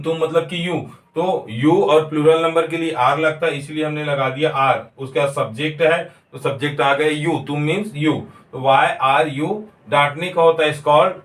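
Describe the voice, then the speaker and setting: A man's voice: fairly high pitch, fairly bright tone, recorded from a distance. Man teaching in an echoey room. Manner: slow, deliberate dictation of English sentences; frequent throat clearing. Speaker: spoken English teacher. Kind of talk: classroom grammar lesson.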